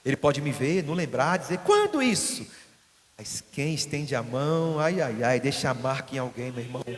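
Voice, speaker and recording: The recording, heavy with long hall reverb, captures a man of medium pitch giving a sermon as pastor in a church hall. He keeps a moderate pace and lively intonation while telling stories and voicing the people in them.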